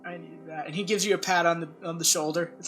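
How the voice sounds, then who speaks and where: A woman voicing an anxious male half-elf adventurer in a tabletop game, speaking softly. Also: fairly low pitch, fairly even intonation, fast talker, faint music behind. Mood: subdued.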